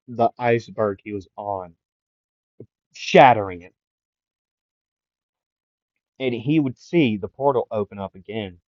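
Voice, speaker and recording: A man's voice: fairly low pitch, dry recording, dull audio. A man casually improvising a fan story, rambling with many fillers and restarts. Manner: rambling, self-interrupting, filler-heavy.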